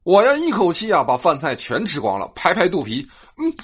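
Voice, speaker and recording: A young man, hosting a comic storytelling monologue with a sing-song delivery and drawn-out particles. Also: fairly high pitch, sing-song, background noise. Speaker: host.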